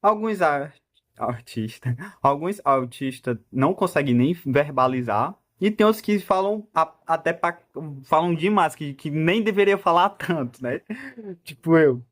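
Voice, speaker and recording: A man's voice: on the high side, animated, unhurried, fairly bright tone. A man in his twenties with a Brazilian Portuguese accent, talking in a casual, rambling monologue full of restarts. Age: 20s. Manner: talkative and rambling, with self-interrupting restarts and frequent laughs. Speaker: vlogger.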